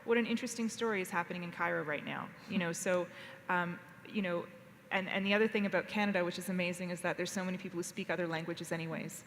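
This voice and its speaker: A woman speaking on a panel, her voice a touch low and full of fillers and restarts. The sound carries a long hall reverb with faint noise underneath. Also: fast, a bit bright. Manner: rambling with many fillers and restarts. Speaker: panelist, foreign correspondent. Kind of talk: panel discussion.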